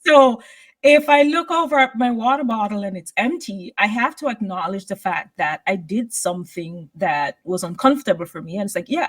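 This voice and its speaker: A woman originally from Guyana speaks as a podcast guest in a medium-pitched voice. She talks thoughtfully and steadily, weaving personal anecdotes with an easy, conversational rhythm. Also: vocal fry. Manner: thoughtful, steady, personal anecdotes with frequent "you know" and "right?". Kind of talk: reflective conversational storytelling.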